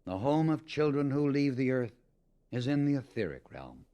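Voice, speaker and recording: A man's voice: medium pitch, very animated, moderate pace, mellow. Man solemnly reading a spiritual audiobook. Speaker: audiobook reader. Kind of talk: scripted spiritual teaching read aloud.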